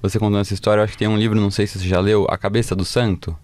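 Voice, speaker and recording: A man's voice: on the low side, little pitch movement, very fast, darkish tone, no room sound. A man hosting a book podcast, speaking with enthusiasm in casual chat. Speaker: podcast host.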